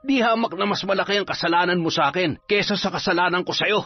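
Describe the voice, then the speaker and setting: A man playing a bitter, hot-tempered young man who talks in a quick, sneering way. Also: a little high, animated, vocal fry, husky, heavily acted. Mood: bitter, angry. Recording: slightly dull, faint music.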